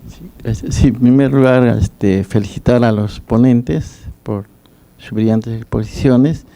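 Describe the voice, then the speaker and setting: A man's voice: mid-range voice, measured pace, warm tone. A middle-aged man, a physician and researcher, commenting formally from the floor at a symposium.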